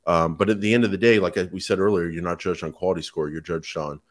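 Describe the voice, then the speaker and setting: A man in his thirties with a low voice talks as a podcast co-host. He explains his points conversationally, as if on a call from home. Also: fairly even intonation, fast talker. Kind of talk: conversational explanation of online advertising. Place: home kitchen, indoors.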